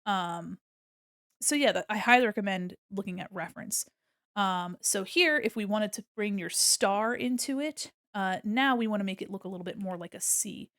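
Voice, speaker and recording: A woman's voice: medium pitch, moderate pace, a bit bright, dry recording, studio quality. A sniffly woman streamer giving a casual art critique, chatty and full of ums as she talks while drawing. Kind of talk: casual art tutorial walkthrough.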